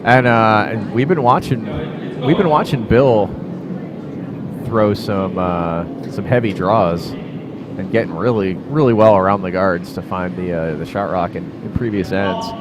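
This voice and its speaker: A man with a fairly low voice breaks down curling shots in a relaxed, analytical way. He talks loosely, leaning on lots of "like" and "you know". Clear background noise runs under the commentary. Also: measured pace. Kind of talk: sports play-by-play and analysis.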